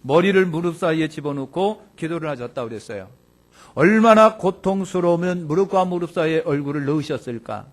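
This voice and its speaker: A man preaching a sermon as pastor. He swings between loud exclamations and quiet asides. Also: animated, brisk. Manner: acts out quoted speech in a lower voice.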